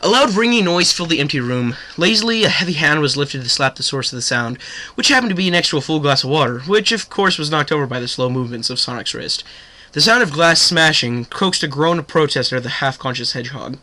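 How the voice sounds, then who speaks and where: A man's voice: fairly high pitch, expressive, fast talker, pushed and bright. A man with a cold reading a fan story aloud in a casual way, sometimes stumbling over words. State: sick with a cold. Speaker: fanfiction reader.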